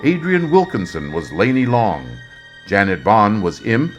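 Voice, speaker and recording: A man hosting a radio drama in old-time announcer style, measured, formal and dramatic. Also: on the low side, huge pitch swings. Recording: music behind the voice. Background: music.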